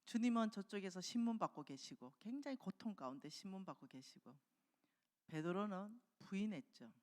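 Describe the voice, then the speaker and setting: A woman preaching a revival sermon in a church, telling the story with lively acted-out dialogue. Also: mid-range voice, normal speed. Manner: animated storytelling, acting out quoted dialogue. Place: church sanctuary. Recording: long hall reverb.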